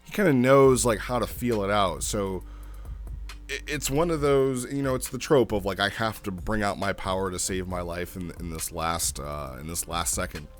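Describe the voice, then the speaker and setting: Low-voiced man, rambling casual commentary. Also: normal speed, faint music behind. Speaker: host reviewing a text role-play log.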